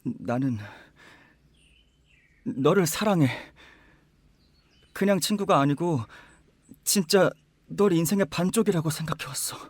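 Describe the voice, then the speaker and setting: A man's voice: on the high side, unhurried, pauses often, no echo. An actor playing an earnest, lovestruck young man in an audio drama, with an emotional, imploring delivery. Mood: ardent.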